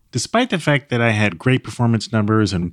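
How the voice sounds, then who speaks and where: A man with an ordinary speaking voice, medium pitch and ordinary pitch variation talks at a fairly quick pace, the sound dry and close with no echo in a very clean recording with a silent background. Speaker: podcast producer.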